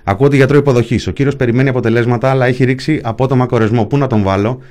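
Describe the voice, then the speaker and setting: A man's voice: medium pitch, steady tone, darkish tone. A man giving a first-person narration of a hospital shift, speaking in short, clipped present-tense fragments.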